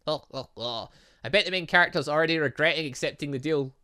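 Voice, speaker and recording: A game playthrough host reading aloud and commenting in a rambling, excitable, self-interrupting way. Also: mid-range voice, fast. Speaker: gaming video host.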